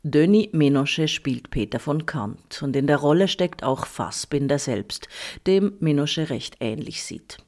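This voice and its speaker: A woman's voice: low-pitched, lively intonation, a little slow, a little mellow. A woman film critic narrating a scripted, radio-style review.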